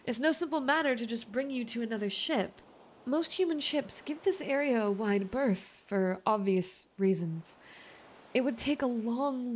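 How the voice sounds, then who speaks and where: A woman voicing a kind, worried mermaid in an ASMR roleplay, speaking in a gentle, earnest, slightly hesitant way. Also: on the high side, slight background noise, close to an everyday voice. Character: kind, worried female mermaid rescuing a shipwrecked sailor.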